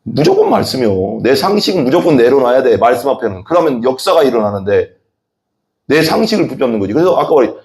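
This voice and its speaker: A man preaching an evening sermon as pastor, animated, asking the congregation questions and acting out voices in the quotes he tells. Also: mid-range voice, fast talker. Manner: asks the congregation questions and has them repeat.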